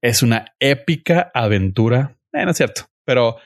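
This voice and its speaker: A man's voice: medium pitch, lively intonation, normal speed, vocal fry, no echo. Slangy Mexican man, dry close mic. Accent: Mexican Spanish. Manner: slangy, opinionated, insistent. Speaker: podcast host. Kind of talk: casual chat reviewing a series.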